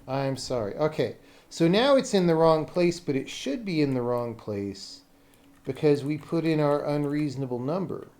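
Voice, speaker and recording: A man's voice: on the high side, animated, normal speed, darkish tone. A man live streaming as he programs a game, thinking aloud casually in short fragments, blunt and sardonic, with casual swearing. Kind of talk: casual off-the-cuff coding commentary.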